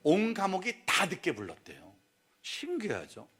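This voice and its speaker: A middle-aged male pastor preaching a lively, humorous sermon in a church, teasing and questioning the crowd. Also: high-pitched, normal speed, husky. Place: church sanctuary.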